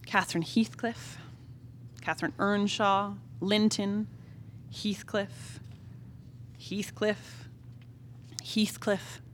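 A woman performing a brooding young married woman in a stage play reading, with formal literary diction and dramatic pauses. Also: medium pitch, fairly even intonation, a little hiss or hum. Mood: wistful. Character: brooding young married woman haunted by her family's past. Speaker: actor. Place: theatre stage, live reading.

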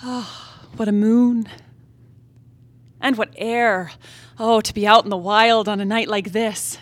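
A woman's voice: medium pitch, fairly even intonation, slow, dry recording, natural voice. A woman acting a restless, defiant young wife in a dramatic stage play reading, yearning and impassioned. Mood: wistful, resolute. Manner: theatrical, impassioned soliloquy. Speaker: playwright reading her own play.

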